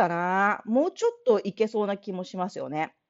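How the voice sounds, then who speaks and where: Lively intonation marks an ordinary speaking voice that keeps a moderate pace. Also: woman. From Hokkaido, Japan (Sapporo). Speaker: podcast host. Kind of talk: casual monologue. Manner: casual, chatty.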